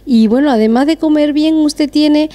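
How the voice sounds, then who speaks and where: Effusive woman TV interviewer, mellow voice. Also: sits high, moderate pace. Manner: effusive and complimentary. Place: decorated restaurant patio. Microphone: handheld mic.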